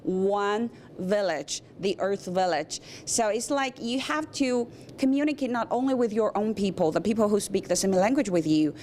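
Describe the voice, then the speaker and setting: A woman's voice: mid-range voice, animated, moderate pace, hardly any pauses, darkish tone, a little hiss or hum. Chinese-native woman teacher, careful. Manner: careful, hesitant with fillers. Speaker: visiting teacher. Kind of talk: news interview.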